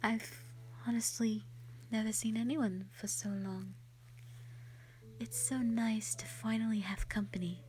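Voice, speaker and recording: A woman voicing a gentle, lonely female white dragon in a roleplay audio drama, speaking softly and breathily in a sweet, formal, hesitant way. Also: a little high, steady tone, measured pace, slight background noise, natural voice. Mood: shy, friendly. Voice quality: soft, breathy, often whispery.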